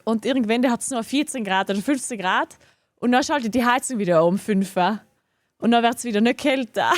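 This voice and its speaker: A woman's voice: fairly high pitch, no room sound, clean studio sound. A young woman with a regional German dialect, chatting casually and giggling often while streaming a game from her home office. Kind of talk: casual live-stream chat while gaming.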